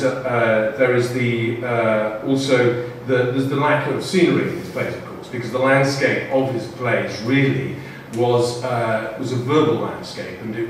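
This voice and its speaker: A man giving a halting panel talk with many fillers and restarts, in a lecture room before an audience. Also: mid-range voice. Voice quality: loud voice. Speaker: panel speaker. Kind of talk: halting public talk from notes. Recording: echoey room, far mic, faint noise.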